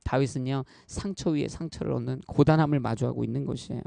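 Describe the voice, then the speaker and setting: Gravelly-voiced man preaching a sermon. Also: mid-range voice, fast talker, dark tone, no room sound. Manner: earnest, conversational preaching with personal stories; addresses the congregation directly and repeatedly. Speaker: pastor. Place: church.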